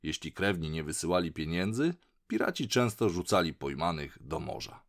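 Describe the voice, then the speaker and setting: Lively low-voiced man reading a storybook. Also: normal speed. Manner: animated, voices characters. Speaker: audiobook narrator. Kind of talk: expressive audiobook narration.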